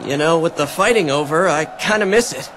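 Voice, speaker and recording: A man's voice: a little high, a little fast, close to an everyday voice. An actor playing a restless young male warrior who talks in a cocky, eager way. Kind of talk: video game cutscene. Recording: noisy crowd behind.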